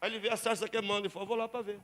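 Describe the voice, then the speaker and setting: A Brazilian man preaching in a church, his voice sitting high for a man. He leads the congregation in call-and-response, urging them to repeat his lines and praise aloud. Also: flat delivery, racing, a bit bright. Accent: Brazilian Portuguese. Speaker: pastor. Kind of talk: sermon. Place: church sanctuary.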